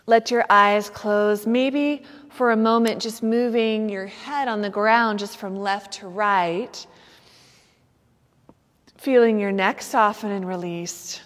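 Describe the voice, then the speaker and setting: Woman doing guided yoga meditation, really slow and gentle, long echoey reverb on her voice. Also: mid-range voice. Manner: soothing, gentle, unhurried guiding with pauses. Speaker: yoga nidra teacher.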